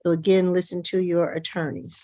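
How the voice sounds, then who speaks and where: A woman judge giving formal, measured procedural explanations to open a court hearing. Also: fairly low pitch, flat delivery, dark tone. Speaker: judge presiding over a court calendar. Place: remote court hearing on video call.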